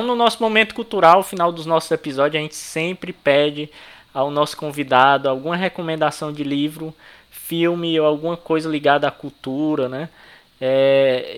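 A podcast host with a smooth, resonant voice at a middling pitch, a native Portuguese speaker. They search for words in French, but move briskly and fluently once back in their own language. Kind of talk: podcast hosting, casual interview.

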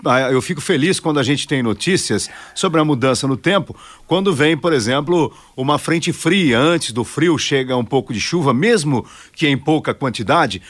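Measured male radio commentator. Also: mid-range voice, animated. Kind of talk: conversational news commentary.

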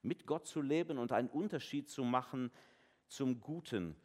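A pastor giving a family service sermon in a conversational, lively way, acting out voices in the dialogue he retells. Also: medium pitch, moderate pace. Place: church. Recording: long church reverb.

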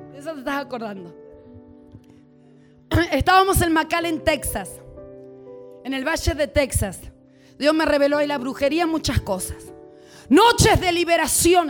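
A woman preacher telling a deliverance story in an animated sermon, shouting at high points. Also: normal speed, long pauses, soft background music.

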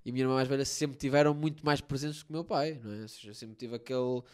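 A man's voice: mid-range voice, steady tone, racing, clear, resonant tone. A young man with a European Portuguese accent in casual chat, slangy and full of swearing, trailing off and restarting his sentences.

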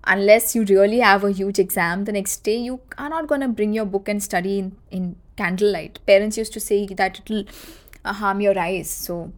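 A woman's voice: mid-range voice, normal speed. A woman in her thirties with a South Asian accent, reminiscing in a casual solo podcast with conversational, emphatic repetition. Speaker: podcast host.

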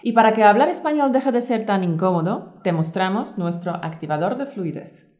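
Female teacher, co-host, reading a course script clearly and evenly. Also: medium pitch, expressive, normal speed, darkish tone. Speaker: Spanish teacher, podcast co-host.

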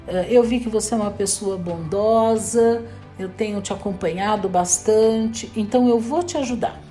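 A woman's voice: medium pitch, moderate pace, mellow, faint music behind, close to an everyday voice. A woman voicing a kind reassuring fairy. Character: kind fairy disguised as mouse.

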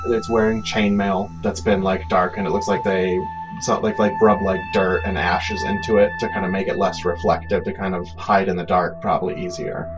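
Very deep-voiced man narrating a game. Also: level tone. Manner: halting, conversational description with many asides. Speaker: game master. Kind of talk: improvised tabletop game narration. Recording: dull, muffled sound under prominent music.

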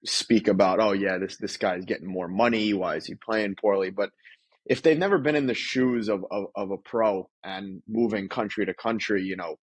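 A man's voice: lowish voice, normal speed, breathy edge. A man hosting an interview, agreeable and affirming, leaning on filler phrases as he talks. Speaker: podcast host. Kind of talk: casual interview chat.

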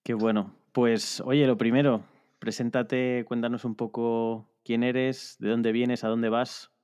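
A man's voice: mid-range voice, flat delivery, slow pace, darkish tone, clean tone. A man hosting a podcast interview, giving short friendly prompts. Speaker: podcast host. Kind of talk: conversational interview.

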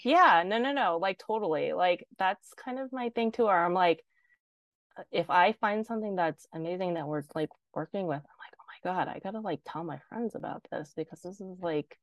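A woman's voice: on the low side, normal speed, no echo. A young woman, a designer and podcast guest, chatting casually and filling her talk with "like". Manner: chatty, heavy use of "like". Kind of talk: casual interview chat.

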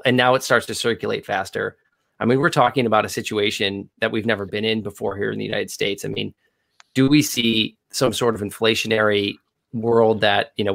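A man's voice: on the low side, vocal fry, fairly bright tone, no room sound. A man hosting a podcast, asking his guests loose, rambling questions packed with "you know" and "right?". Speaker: podcast host. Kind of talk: casual chat.

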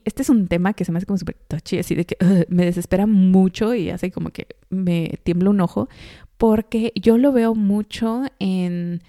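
A woman's voice: medium pitch, dark tone, dry recording, clean studio sound. A young woman with a Mexican accent, hosting a podcast, talking casually in a rambling way full of fillers. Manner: chatty, rambling with many fillers and laughs. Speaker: podcast host. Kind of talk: casual monologue. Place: home in Chicago.

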